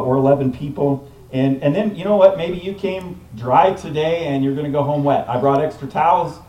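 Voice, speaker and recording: Man, pastor, outdoor sermon, casual, slightly high voice, echoey. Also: mellow, recorded from a distance. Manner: casual, frequent fillers and restarts. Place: outdoors in a park.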